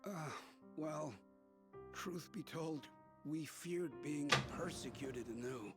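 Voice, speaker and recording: An actor playing an old villager in a fantasy game, with deliberate, old-fashioned storytelling speech, recalling the past. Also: male voice, on the high side. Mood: guarded, solemn. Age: older. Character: old Rosellan villager recalling a long-ago revolt. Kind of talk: scripted fantasy game voice acting. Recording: game music behind the voice.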